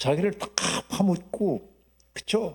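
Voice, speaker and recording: In a very clean recording with a silent background, a man with a dark, mellow tone speaks at a very slow pace. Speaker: pastor. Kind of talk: sermon. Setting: church.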